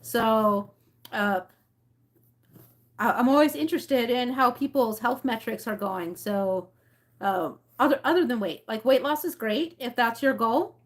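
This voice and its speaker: With a slightly high voice and a measured pace, a woman from Mexico and the rural Southwest keeps her livestream casual. She thinks aloud, reads labels and chats back to viewers in an informal, talkative way.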